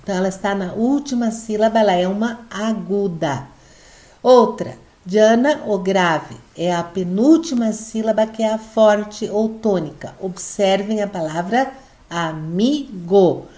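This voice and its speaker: A woman's voice: medium pitch, unhurried, mellow. A woman teacher with a Brazilian Portuguese accent, patiently explaining a Spanish lesson step by step and often checking that students follow. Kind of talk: recorded online lesson.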